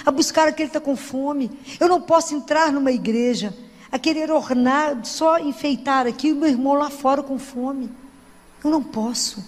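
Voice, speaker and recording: A middle-aged woman preaching a sermon in a church, telling stories with frequent tag questions. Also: high-pitched. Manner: warm storytelling with frequent "né?" asides. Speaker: Catholic lay preacher. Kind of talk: sermon to a congregation. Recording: long hall reverb.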